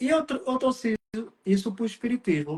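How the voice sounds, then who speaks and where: At a moderate pace, the voice sweeps through very wide pitch swings. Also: man. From Pernambuco, northeastern Brazil. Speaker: spiritist medium. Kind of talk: live-stream interview conversation. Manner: animated.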